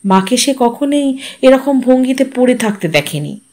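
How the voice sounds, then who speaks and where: A woman narrating a literary story in a measured, expressive storytelling manner. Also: high-pitched.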